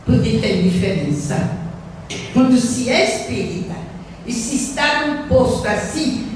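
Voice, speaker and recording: Older woman, earnest spiritist lecturer, slow emphatic delivery, fairly high voice, roomy hall reverb, distant recording. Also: a little hiss or hum. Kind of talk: lecture reading from notes. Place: small lecture hall indoors. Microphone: stand mic.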